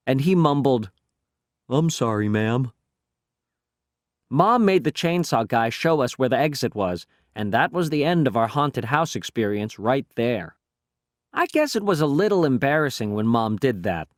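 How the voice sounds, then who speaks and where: A man reading a first-person children's story aloud as an audiobook narrator, telling it in an expressive, boyish voice. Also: medium pitch, dry recording, studio quality.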